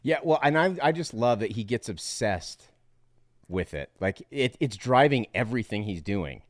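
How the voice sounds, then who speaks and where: A man's voice: mid-range voice, no echo, studio quality. A man co-hosting a casual movie podcast, eager and laughing often. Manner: eager, laughs often, quick bursts of excitement. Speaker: podcast co-host.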